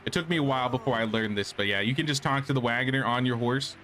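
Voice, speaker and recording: A man's voice: medium pitch, fast, pushed and bright, slight background noise. A man giving casual, rambling gameplay commentary as a streamer, thinking aloud as he goes. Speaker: game streamer. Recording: game music behind. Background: game music.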